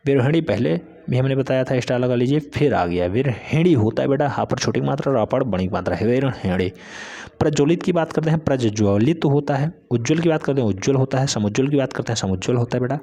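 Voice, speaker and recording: A man's voice: medium pitch, expressive, fast, mellow. A male teacher giving an exam-prep spelling lesson, repeating each word several times in an emphatic, drill-like way and calling his students "beta".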